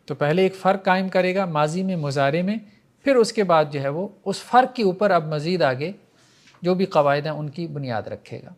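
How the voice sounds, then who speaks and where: A man with a high, light voice teaches grammar to a class. He explains points patiently and chants through verb conjugations one form after another. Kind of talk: classroom lecture.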